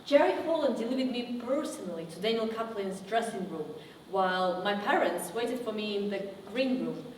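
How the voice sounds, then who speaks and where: A woman acting a theatrical monologue as a haunted woman looking back on her past, with deliberate, halting delivery. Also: medium pitch, expressive, close to an everyday voice. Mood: subdued, uneasy. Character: woman recounting childhood memories, wry then wounded and haunted. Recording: echoey reverberant room, distant mic, faint noise.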